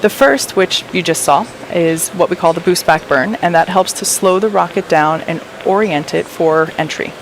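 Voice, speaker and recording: A woman's voice: fairly low pitch, moderate pace, hardly any pauses, low-quality recording. A woman giving explanatory live commentary as host of a rocket launch webcast. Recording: crowd and loud noise behind.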